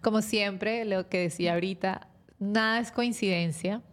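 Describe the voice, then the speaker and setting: A woman hosting a Catholic talk show, speaking gently and devoutly, leading a prayer and welcoming her guest. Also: medium pitch, steady tone, normal speed. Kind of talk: warm faith-based interview with prayer.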